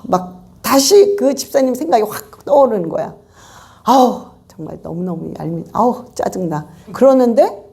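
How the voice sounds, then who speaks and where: Animated high-voiced woman pastor preaching. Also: breathy edge. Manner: animated storytelling, acting out quoted people. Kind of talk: sermon. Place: church.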